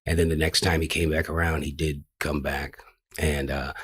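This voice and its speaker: An older American man appears as a podcast guest, loosely rambling through his life story with plenty of fillers and an occasional swear word. His voice is extremely low with little pitch movement, delivered at normal speed with a fairly bright, breathy tone. The recording is clean studio sound with no echo.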